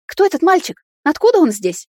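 A woman voicing a shrill, indignant young woman who squeals and fires off demanding questions. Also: big pitch swings, fairly quick, dark tone, no echo, studio quality.

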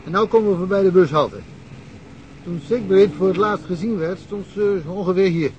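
Rambling village police chief played by a man, slightly high voice, faint hiss on an old radio-play recording. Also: moderate pace, darkish tone, lo-fi sound, natural voice. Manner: rambling, anecdotal storytelling.

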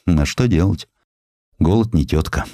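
A man reading scripted literary historical prose as an audiobook narrator, in a measured, dramatic storytelling manner with deliberate pauses. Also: sits low, mellow, dry recording, clean studio sound.

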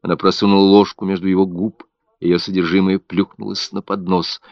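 A man narrating an audiobook with an expressive, dramatic delivery. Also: sits low, a little fast, vocal fry, dry recording. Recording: dull, dry audiobook recording.

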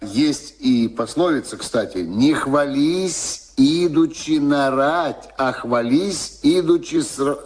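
A man's voice: on the high side, slow, slight background noise. A man narrating a rhymed folk tale for a radio play in a wry, declamatory theatrical manner. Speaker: storyteller.

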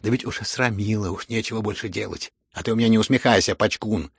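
A man reading a storybook who voices a stern middle-aged noblewoman, shrill and indignant as she scolds. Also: fairly even intonation, fast, gravelly, fairly bright tone, breathy edge, dry recording, clean studio sound, full character voice. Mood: furious.

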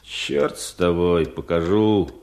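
An actor playing a sly, insolent captured bandit in a Russian radio drama, with a mocking, familiar way of talking. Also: male voice, low voice, animated, slow, gravelly, darkish tone, heavily acted. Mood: sly bargaining.

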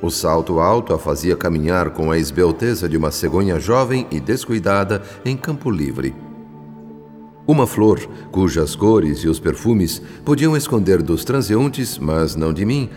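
Deep, reverberant solemn narrator. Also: male voice, expressive, unhurried, a little mellow. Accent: Brazilian. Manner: solemn, literary. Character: solemn male spirit narrator, literary and judgmental. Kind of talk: scripted dramatic narration. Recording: long reverb, faint music behind.

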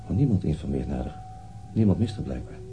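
An actor playing a world-weary, laconic police detective in a naturalistic radio crime drama, dry and deadpan. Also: male voice, very deep voice, a little fast, music in the background, full character voice. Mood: brooding, muted. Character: brooding, world-weary male police detective, dryly sardonic.

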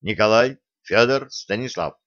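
A man's voice: fairly low pitch, expressive, a little slow, fairly bright tone, no room sound, lo-fi sound. A man doing a stern karate sensei. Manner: curt, stern.

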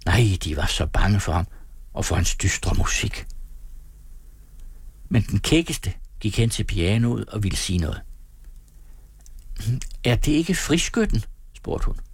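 A man reading an audiobook aloud, with calm, measured storytelling. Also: low voice, husky, dry recording. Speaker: audiobook narrator. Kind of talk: scripted narration.

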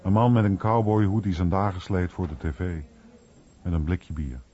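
Radio documentary narrator, male, deep register, scripted delivery, dull sound. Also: normal speed, dark tone, slight background noise. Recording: dull muffled radio recording.

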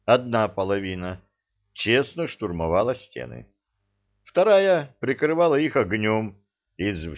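A man narrating an audiobook fantasy story in an animated, theatrical reading. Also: lowish voice, dull audio.

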